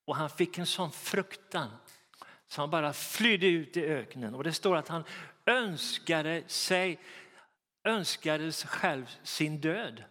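A man preaching a sermon in a fervent manner, rising to loud exclamations. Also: a little high, expressive. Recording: reverberant hall.

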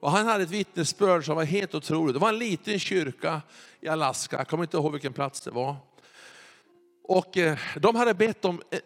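A man preaching a sermon, telling a story with animated delivery that builds to loud excited peaks. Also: fairly high pitch, gravelly. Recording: echoey hall with faint music. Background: faint music.

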